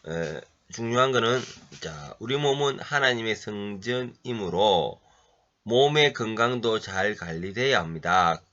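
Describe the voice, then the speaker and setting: A man preaching a halting lecture-style sermon while he has a cold, often clearing his throat and pausing on fillers. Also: mid-range voice, sharp tone. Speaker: pastor. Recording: dull lo-fi recording.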